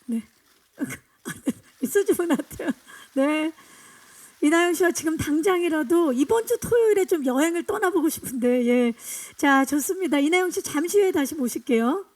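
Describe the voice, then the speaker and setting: A woman emcees a press screening in an upbeat, guiding manner. She cues guests through their photo poses and introduces each one in turn. Her voice sits high but has a mellow, soft tone. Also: animated, normal speed. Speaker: event host.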